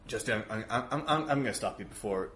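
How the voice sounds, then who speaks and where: Fast-talking and animated, this man has a fairly low, fairly bright voice. He's a wrestling show promoter guesting on a podcast, hesitantly apologizing and placating someone during an improvised comic argument.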